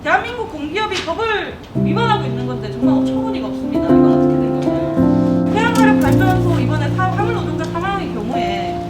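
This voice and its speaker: In a national assembly hearing room, a lawmaker in her twenties grills an executive with sharp, indignant rhetorical questions. Her very high voice swings widely in pitch and she talks fast, while faint guitar music plays in the background.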